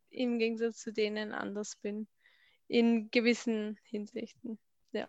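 In a dry, close sound with no echo and a quiet background, a woman speaks at a very slow pace with a fairly high pitch and monotone, flat intonation. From Austria, Vienna. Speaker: podcast panelist. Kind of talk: casual chat.

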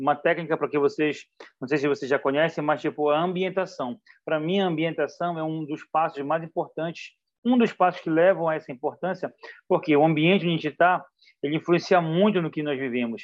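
A man in a normal speaking voice, fairly high in pitch, at a fairly quick pace with fairly even intonation. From northern Brazil, Macapá. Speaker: hypnotherapist. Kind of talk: online panel talk.

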